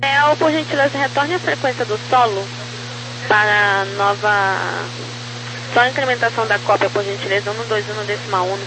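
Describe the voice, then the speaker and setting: A Brazilian woman working as a tower controller, giving procedural clearances over crackly, military-sounding aviation radio. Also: medium pitch, normal speed. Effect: aviation radio transmission. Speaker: tower air traffic controller. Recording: crackly radio with loud hum and static.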